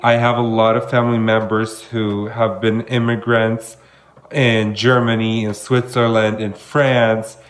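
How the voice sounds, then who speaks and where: A man's voice: fairly low pitch, flat delivery, unhurried. Rambling young man from Kosovo. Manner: friendly, rambling, heavy on like. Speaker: podcast co-host. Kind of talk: casual chat.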